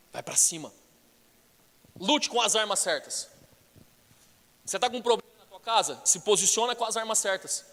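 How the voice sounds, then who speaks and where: A Brazilian pastor preaching a lively sermon in church, joking with the crowd and bursting into shouts. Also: male voice, high-pitched. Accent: Brazilian Portuguese. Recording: long church hall reverb.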